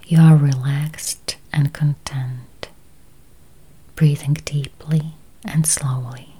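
A woman leading a guided meditation in a soft, breathy near-whisper, with calm, soothing, deliberate phrasing. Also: sits low, rough recording.

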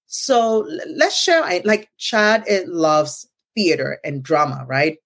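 A woman's voice: lowish voice, takes it slowly, a bit bright. A middle-aged woman with a Ghanaian accent, hosting a casual conversation in an earnest tone and often checking in with "right?". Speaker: podcast host.

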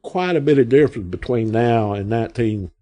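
A man's voice: medium pitch, brisk, mellow. Folksy Arkansas man in his sixties. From Arkansas, USA. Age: 60s. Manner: folksy, rambling, acts out quoted voices. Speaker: guest. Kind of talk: casual storytelling.

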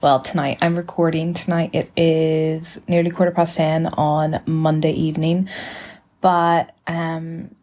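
A woman in her twenties hosting a casual solo podcast, chatty and rambling in an informal, relaxed way. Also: low voice, measured pace. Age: 20s. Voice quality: relaxed, slightly husky. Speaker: podcast host.

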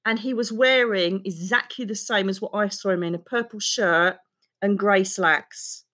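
A middle-aged woman who is an author, telling her personal story in an interview in a frank, expressive way that runs on quickly. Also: medium pitch. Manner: emotional, expressive, fast-running storytelling. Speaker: guest author.

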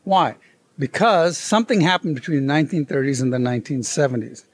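A man's voice: on the high side, fairly quick, husky. A man as an interview guest, telling a story and acting out the quoted voices. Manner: animated, acts out quoted dialogue. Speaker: guest author. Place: convention.

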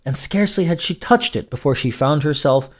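A man narrating as a storyteller in a gothic, theatrical fairy-tale style, with dramatic, deliberate phrasing. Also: on the high side, lively intonation. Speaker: storyteller, host.

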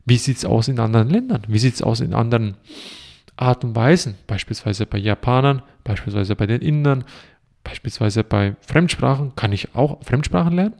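A man's voice: mid-range voice, lively intonation, moderate pace, a little mellow. A man speaking a monologue to camera as a self-help speaker. He preaches and fires off long strings of rhetorical questions.

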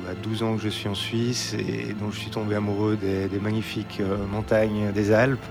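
Hesitant low-voiced man, flat delivery. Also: moderate pace, gravelly, music in the background. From Belgium. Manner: hesitant, many "euh" fillers and restarts. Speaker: mountain photographer, interview guest. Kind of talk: relaxed podcast interview.

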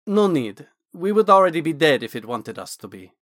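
A man voicing a curious, blithe male dragonborn scholar-mage who lectures in a brisk, lightly excited way. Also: a little high, dry recording, studio quality, pitched above the performer's own voice. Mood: matter-of-fact.

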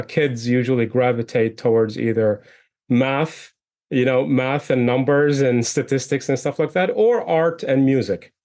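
A man's voice: mid-range voice, darkish tone. A man from Iraq, a guest on a podcast, telling his story in a chatty way with many restarts. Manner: chatty, with frequent restarts and fillers. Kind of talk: interview conversation.

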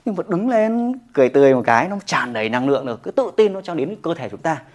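Yoga trainer; motivational to-camera talk, fast delivery, emphatic. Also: mid-range voice, very animated, a little mellow. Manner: emphatic, with frequent rhetorical check-ins.

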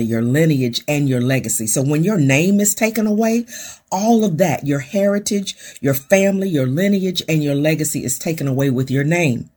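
A woman's voice: a bass voice, darkish tone, breathy edge. A woman hosting a podcast, giving a fervent, preacher-like motivational talk in numbered points with lots of repetition. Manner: fervent, preacherly, repeats lists. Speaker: podcast host.

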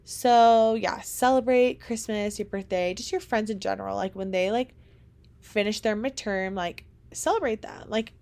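A young adult woman hosting a casual podcast monologue, animated and chatty, with lots of "like" fillers and rhetorical questions. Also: mid-range voice, normal speed, gravelly. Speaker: podcast host.

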